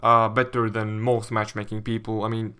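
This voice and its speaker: A man's voice: lowish voice, monotone, normal speed, pushed and bright, clear, resonant tone. A young man with a Latvian accent casually commentating, reading viewer questions and answering them as a gaming YouTuber.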